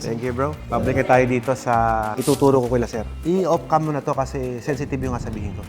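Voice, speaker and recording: A man with a Filipino accent hosting a vlog, pitching water station packages to customers in a teasing, pushy salesman manner. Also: fast talker, in a large hall, music in the background. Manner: joking, pushy salesman, mixes Tagalog and English.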